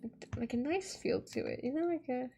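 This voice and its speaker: A fairly high-voiced woman whose first language is Hungarian chats loosely as she draws, often trailing off and dropping a casual swear. Soft music plays faintly behind her, with keyboard clicks. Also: lively intonation, moderate pace, gravelly. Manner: chatty, rambling, swears casually, trails off mid-sentence. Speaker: artist streamer. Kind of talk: casual commentary while drawing.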